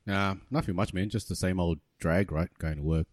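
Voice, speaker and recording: A man co-hosting a podcast, chatting casually in short, low-key remarks. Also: normal speed, no echo, studio quality. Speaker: podcast co-host. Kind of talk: casual chat.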